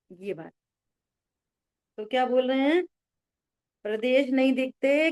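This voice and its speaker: Brief: woman spiritual teacher, slightly high voice, expressive, keeps asking "you follow?". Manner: expressive, exclaims and acts out little dialogues. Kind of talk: religious discourse.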